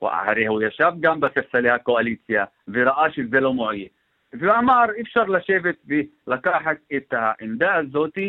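A man with an Arabic accent, fairly slow in pace, his pitch swinging very widely. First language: Arabic (speaking Hebrew). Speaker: party campaign director, politician. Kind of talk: radio interview.

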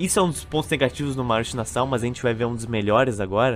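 A man with a Brazilian accent speaks with lively intonation. The recording is very clean, with a silent background. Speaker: podcast host. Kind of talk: casual chat, history storytelling.

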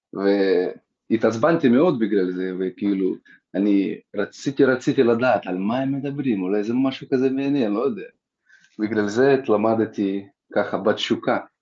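A man with a Russian accent, medium in pitch, with ordinary pitch variation, at a fairly slow pace. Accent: Russian accent in Hebrew. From Russia, Ural region. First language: Russian (speaking Hebrew). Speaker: doctor, recent immigrant. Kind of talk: interview.

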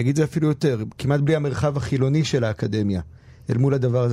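In a dark, mellow tone, a man talks at a medium pitch, somewhat breathy and with lively intonation. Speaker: radio host. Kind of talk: casual chat. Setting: studio.

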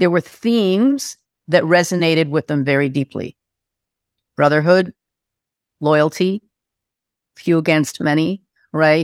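Fairly slow and with long, frequent pauses, a woman speaks at a very deep, low pitch with ordinary pitch variation, in a very clean recording with a silent background and a dry, close sound with no echo. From Korean immigrant. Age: 50s. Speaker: music manager and author. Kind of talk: roundtable discussion.

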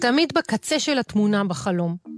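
Lively intonation shapes the reading. The voice is unforced.

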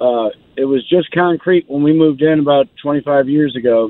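Speaking at a moderate pace, a man uses a normal speaking voice with lively intonation. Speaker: caller. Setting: phone call.

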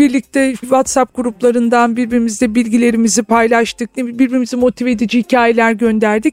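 The speech runs at a fairly quick pace with hardly any pauses, monotone, flat intonation, and very even loudness, in a dry, close sound with no echo. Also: woman, high pitch for a woman. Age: 50s. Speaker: restaurant chain founder. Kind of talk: interview.

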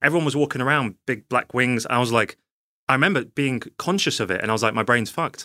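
On a very clean recording with a silent background and a dry, close sound with no echo, a man with an English accent speaks at a very fast pace in a bright, sharp tone of medium pitch with ordinary pitch variation. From English countryside. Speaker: sober coach. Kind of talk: casual chat.

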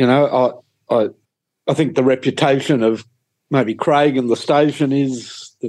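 A man talks at a moderate pace in a medium pitch, with a dark, mellow tone. He has an Australian accent. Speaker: sports and music podcast co-host, deli owner. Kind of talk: casual chat.

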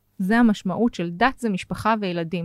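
Very cleanly recorded against a silent background, a woman speaks at medium pitch with ordinary pitch variation, the sound dry and close with no echo. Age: 40s. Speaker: podcast guest. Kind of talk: casual interview.

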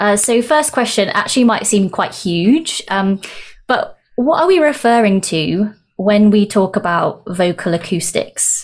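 An ordinary speaking voice moves at a fairly slow pace with lively intonation, hardly any pauses and very even loudness. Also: woman, medium pitch for a woman. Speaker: podcast host and singing teacher. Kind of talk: interview conversation.

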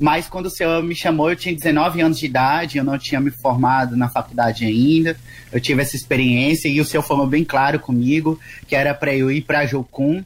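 It is an ordinary speaking voice. The delivery is fairly quick, with fairly even intonation. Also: man, fairly high pitch for a man. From Bahia, northeastern Brazil. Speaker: missionary. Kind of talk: radio interview.

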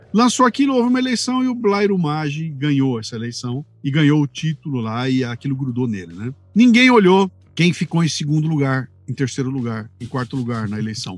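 A man delivers his words fairly quickly. Behind him, music is playing. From Bauru, São Paulo interior, Brazil. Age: 60s. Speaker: podcaster and public speaker. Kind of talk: casual interview chat.

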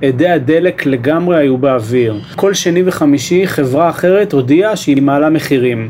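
A man speaks at a moderate pace and a fairly high pitch with ordinary pitch variation. Noticeable background noise can be heard. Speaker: media consultant and activist. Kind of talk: personal testimony.

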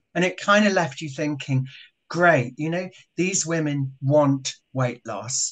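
Speaking very slowly in a British accent, a man has a fairly high, somewhat breathy voice. His pitch varies in an ordinary way. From UK. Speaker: dietitian. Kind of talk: interview. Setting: remote call.

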